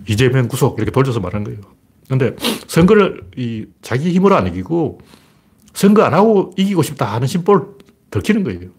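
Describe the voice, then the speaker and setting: A man with a slightly husky, mid-pitched voice holds forth in a loose political monologue. He talks bluntly and emphatically, repeats phrases for effect, and his pitch rises and falls in lively swings. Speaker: political commentator.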